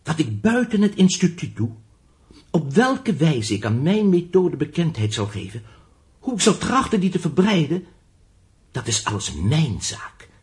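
Fervent young idealist, widely swinging pitch. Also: male voice, very animated, unhurried. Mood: defiant, resolute. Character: earnest young blind inventor-teacher, stubborn, idealistic, lonely. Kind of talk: Dutch radio play acting.

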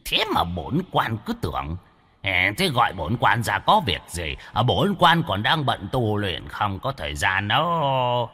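A man's voice: huge pitch swings, unhurried, bright, forceful tone, in a large hall, heavily acted. A man voicing an old, lecherous, pompous male ghost who calls himself an official, in a storybook ghost tale. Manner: sleepy drawling mumble, then shrill wailing panic.

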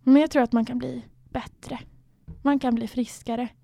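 A woman's voice: fairly high pitch, fairly even intonation, creaky, warm tone, no room sound. A young woman from Sweden, candidly telling her own story in a reflective way, sometimes dropping to near a whisper. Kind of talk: personal storytelling.

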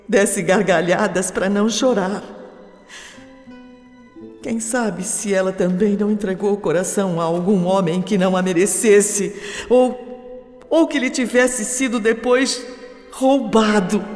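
A woman's voice: mid-range voice, darkish tone. A woman acting a sorrowful orphaned young woman in a radio drama, plaintively praying to her dead mother in a theatrical way. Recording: echoey hall reverb, music bed. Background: music.

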